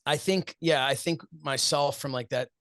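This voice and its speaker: Man, 40s, gravelly voice, dry close mic; reflective interview guest, storyteller, laughs easily. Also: a little high, fairly even intonation, normal speed, fairly bright tone, no echo. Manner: earnest, storytelling, acts out quoted friends, laughs often. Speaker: wrestling commentator and show host, interview guest.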